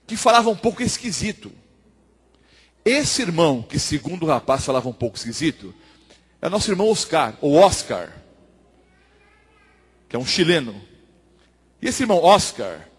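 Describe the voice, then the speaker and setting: A man's voice: on the high side, husky. A male pastor preaching a sermon in a church, telling a testimony and acting out the dialogue, addressing the congregation. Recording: long church hall reverb.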